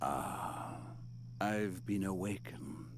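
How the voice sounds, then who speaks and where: Over loud background noise, a man uses a put-on character voice pitched very deep and low. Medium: video game. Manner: solemn, grand.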